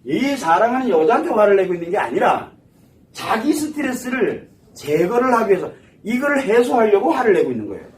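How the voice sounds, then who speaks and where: A man's voice: sits high, very animated, a little fast. A man giving a psychology lecture, asking the audience questions and answering them himself. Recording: voice somewhat far from the mic.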